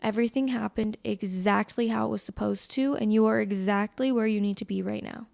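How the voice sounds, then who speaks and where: A woman's voice: medium pitch, steady tone, a little fast, creaky, darkish tone. An American woman hosting a solo podcast in a casual, chatty way, with a scratchy, slightly congested voice on a close microphone. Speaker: podcast host.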